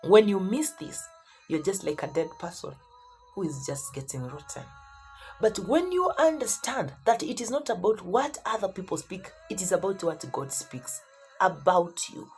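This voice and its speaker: A woman's voice: mid-range voice, lively intonation, moderate pace, darkish tone, soft background music. A woman preaching a motivational Christian sermon, speaking emphatically and repeating phrases for effect.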